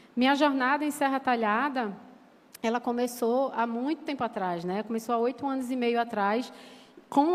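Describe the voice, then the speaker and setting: Her pitch high and her intonation fairly even, a woman talks at a fairly quick pace. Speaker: university lecturer giving church testimony. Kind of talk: testimony. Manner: fast.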